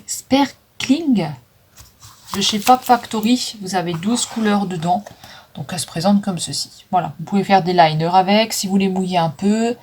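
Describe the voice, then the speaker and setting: On a phone mic with slight hiss or hum, a woman with a medium-pitched voice casually chats her way through a makeup declutter. She's a vlogger selling off makeup, leaning on lots of fillers and tripping over English names.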